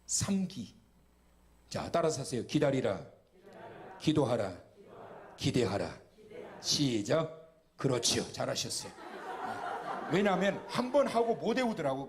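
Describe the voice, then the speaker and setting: A guest pastor with a fairly high voice preaches a lively sermon at a Friday night church service, cracking jokes and having the congregation repeat phrases after him.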